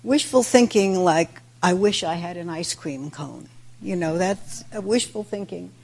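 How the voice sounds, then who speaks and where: A woman delivers a reflective Buddhist talk at a very slow pace. Her voice is raspy and creaky, and she sets out each phrase deliberately. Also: fairly low pitch, a little mellow. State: raspy voice today with throat clearing. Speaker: Buddhist teacher giving a dharma talk. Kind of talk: sermon, reflective religious talk.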